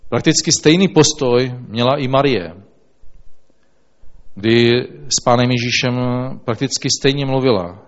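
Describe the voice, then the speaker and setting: A man reading scripture aloud and then preaching, in a slow, measured way with small restarts. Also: medium pitch. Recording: dull lo-fi recording.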